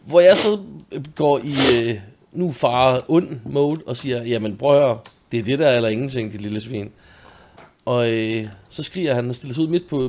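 A gravelly-voiced young man from Denmark chats casually while gaming. He tells a story about home life, laughing easily and cursing freely, speaking into a desk microphone. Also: mid-range voice, a little mellow, slight background noise. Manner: laughs often, swears casually. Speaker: gaming video host.

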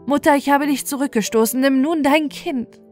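A woman's voice: high voice, normal speed, a little mellow, pitched above the performer's own voice, natural voice. Fairy-tale storybook role: humble young prince, remorseful, emphatic pleading, played by a woman, music behind.

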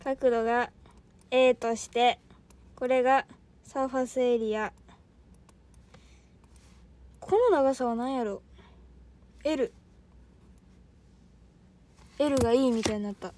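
A woman's voice: on the high side, fairly even intonation, slow pace, pauses often, a little mellow. A young woman with a Kansai accent, chatting on a livestream as an idol trainee, rambling and laughing often while thanking viewers. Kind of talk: casual livestream chat.

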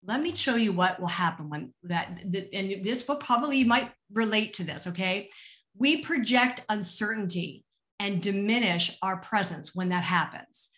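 A woman's voice: medium pitch, animated, moderate pace, fairly bright tone. Middle-aged woman coach presenting a webinar. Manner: encouraging, addresses listeners directly with rhetorical questions. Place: small indoor room, online webinar. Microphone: video call.

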